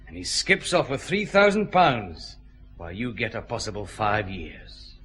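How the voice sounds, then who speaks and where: A stern detective chief inspector. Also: male voice, fairly low pitch, very animated, fairly bright tone, a little hiss or hum. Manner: brisk, methodical, dry authority. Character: firm male police chief inspector. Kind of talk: vintage radio drama acting.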